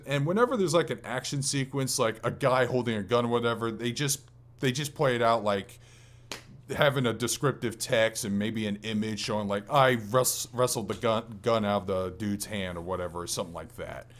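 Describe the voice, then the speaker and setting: A man co-hosting a podcast, chatting casually about video games in a rambling, halting way that often restarts. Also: medium pitch. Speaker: podcast co-host.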